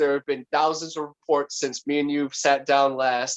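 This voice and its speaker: Pitched fairly high, a man speaks at a moderate pace. The sound is dry and close, with no echo. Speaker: bigfoot researcher and author. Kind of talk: casual chat. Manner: loud; animated.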